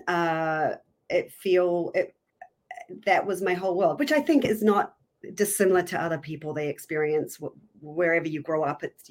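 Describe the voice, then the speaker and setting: A woman in her forties with a New Zealand accent, her voice sitting on the lower side. She chats casually as a podcast guest, teasing herself and laughing often. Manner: chatty and self-deprecating, laughs often. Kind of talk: casual interview chat.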